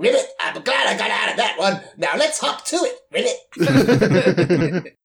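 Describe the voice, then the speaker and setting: In a put-on character voice, a man croaks at a fairly slow pace and a high pitch. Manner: croaky.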